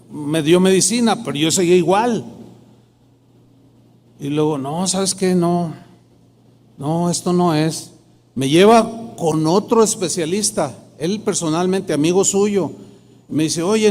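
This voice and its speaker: A man's voice: fairly high pitch, a little mellow, slight background noise. A middle-aged man, a pastor telling a personal testimony in a sermon, acting out the dialogue in shifting tones. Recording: long hall reverb.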